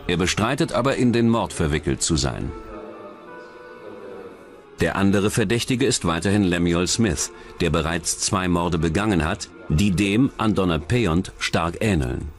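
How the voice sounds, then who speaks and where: A man with a fairly low voice narrates a true-crime documentary from a script. His delivery is measured and serious. Music plays clearly behind him. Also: expressive.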